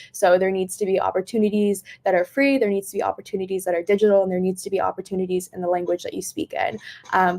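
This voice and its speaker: A woman's voice: mid-range voice, gravelly, a little mellow. A young woman whose first language is Japanese, speaking earnestly as a panelist on an online call. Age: young adult. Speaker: panelist, nonprofit founder.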